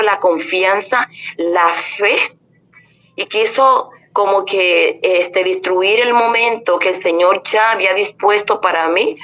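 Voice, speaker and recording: Addressing the congregation as brothers and sisters, a woman shares a heartfelt religious testimony and replays past conversations word for word. She speaks in a mid-range, slightly bright voice, captured on dull lo-fi audio with a little background noise.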